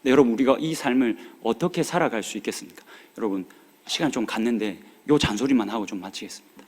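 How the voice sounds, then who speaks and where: A man in his forties preaches a sermon in a church sanctuary, speaking in a regional dialect at a middle pitch. His delivery is earnest and pleading as he exhorts the congregation. His voice carries a long reverb from the large hall. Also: quick pace. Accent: Korean regional dialect. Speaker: pastor.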